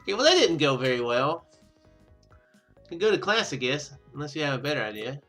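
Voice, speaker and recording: A man doing casual, chatty game commentary with excitable reactions. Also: on the high side, brisk, soft background music. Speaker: gaming video player. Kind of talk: casual game commentary, reading dialogue aloud.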